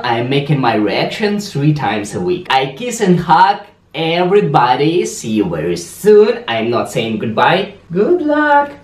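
A young man with a Ukrainian accent, native in Russian and Ukrainian, hosting a lively music reaction vlog to camera in a small room. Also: on the high side. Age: young adult. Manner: exuberant, exclamatory, gesturing a lot. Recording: roomy echo, faint music behind.

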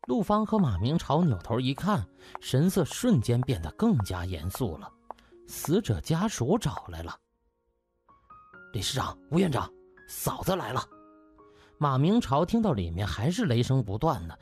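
A man's voice: mid-range voice, a little mellow. A man narrating an audiobook in a dramatic, scripted storytelling style. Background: faint music.

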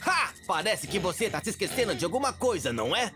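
A man's voice: sits high, big pitch swings, fast talker. A man voicing a cocky, foul-mouthed imp boss in a cartoon fan dub, sarcastic and crude. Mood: brash. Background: music.

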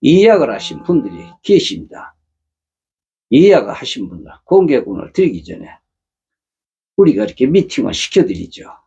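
A man's voice: mid-range voice, very animated, normal speed, creaky, pauses often, dark tone, breathy edge, dull audio. A middle-aged man hosting a matchmaking channel, talking earnestly to viewers and lecturing with rhetorical questions. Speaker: matchmaking agency host. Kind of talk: casual monologue to viewers.

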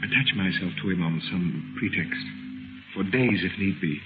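An actor playing a gallant, scheming dandy in a formal, courtly manner for a 1930s radio drama. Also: male voice, sits low, lively intonation, normal speed, music in the background. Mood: earnest. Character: suave, gallant Regency dandy, cool schemer. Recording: tinny, hissy 1930s radio recording.

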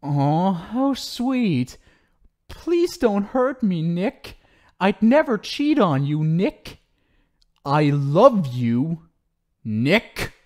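A man's voice: on the high side, darkish tone, exaggerated voice. A man playing an obsessive, unhinged talk show host in an ASMR roleplay, cooing and theatrical, syrupy and menacing. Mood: mocking imitation. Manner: cooing, theatrical, swinging between sweet pet names and pleading. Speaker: audio roleplay performer.

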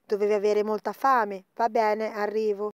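A woman's voice: medium pitch, level tone, moderate pace, clear, resonant tone, dry recording, clean studio sound, natural voice. A woman playing a young, caring and practical older sister in a cartoon fandub. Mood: hospitable.

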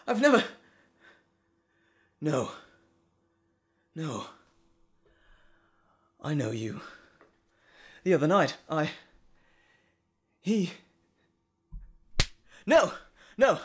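A man's voice: on the high side, very animated, very slow, long pauses, slightly rough, exaggerated voice. A man playing an earnest, nervous scientist and professor in an audio drama, with hesitant, stammering, wordy and formal speech. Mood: frightened, urgent. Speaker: voice actor. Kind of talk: dramatic roleplay audio acting.

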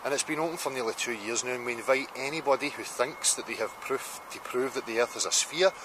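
A man's voice: medium pitch, fast talker. A middle-aged Scottish man questioning a stranger insistently on a riverside footbridge, holding a handheld mic. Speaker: street interviewer. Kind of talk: street interview. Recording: loud outdoor traffic noise.

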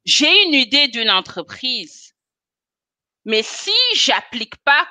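A woman's voice: on the high side, bright, forceful tone, dry recording. A woman in her thirties, a chemist and cosmetics consultant, talking animatedly as a guest on a video call interview and laughing often. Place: small room indoors. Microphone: webcam on a video call.

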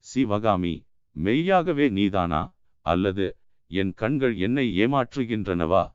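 A man's voice: fairly low pitch, expressive, takes it slowly, clear, resonant tone, dull audio. Sly menacing monk, read by a man. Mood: mock surprise. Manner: mocking, then grave and commanding.

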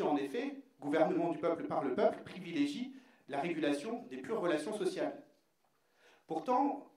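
A man on a panel reading out an academic talk in a measured way, with a few fillers. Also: a little high, a little mellow. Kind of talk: read academic presentation. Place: large hall on a stage. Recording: very echoey hall from far off.

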